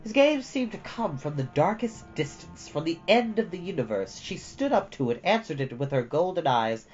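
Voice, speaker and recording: A man reading a storybook aloud as host, with expressive narration and the odd casual aside. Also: on the high side, normal speed, muffled recording, soft background music.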